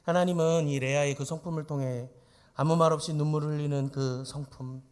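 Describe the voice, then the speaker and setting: A man's voice: fairly high pitch, fairly even intonation, a little fast, darkish tone, smooth. A male pastor preaching an emphatic sermon in church, often turning to the congregation with rhetorical questions.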